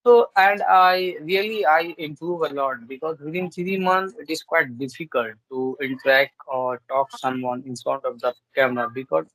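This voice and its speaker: A man's voice: on the high side, normal speed, hardly any pauses, fairly bright tone, no room sound, low-quality recording. Hesitant Indian man on a video call. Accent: Indian English. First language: Urdu. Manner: hesitant, many fillers and restarts. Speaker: English learner. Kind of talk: casual video call chat.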